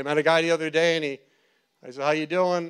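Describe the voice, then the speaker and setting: The background stays quiet. Over it, a man speaks at a very fast pace. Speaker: pastor. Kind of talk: sermon. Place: church. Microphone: handheld.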